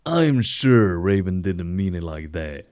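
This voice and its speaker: A man plays an easygoing werewolf who tries to smooth things over in an audio drama. His voice is fairly low and his tone is relaxed and conciliatory. It is recorded dry and close. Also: slow, dry recording, heavily acted. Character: easygoing male werewolf, peacekeeping friend. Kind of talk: fan audio drama acting.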